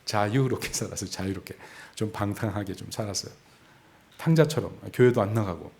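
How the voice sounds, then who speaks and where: A man's voice: lowish voice, brisk, darkish tone. A male pastor preaching a sermon, telling his own story and acting out the voices of people in it with a self-mocking laugh. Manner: storytelling, acts out quoted voices, laughs at himself. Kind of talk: sermon with personal testimony.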